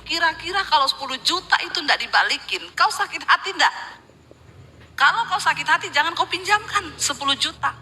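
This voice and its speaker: A woman's voice: high-pitched, sharp tone, slight background noise, low-quality recording. A middle-aged woman pastor, preaching a live church sermon, telling stories with acted-out quotes and jokes.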